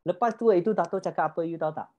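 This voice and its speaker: A woman's voice: fairly low pitch, racing, a little mellow. A woman giving an emphatic motivational talk as a business mentor, firing rhetorical questions at her listeners and switching freely between languages.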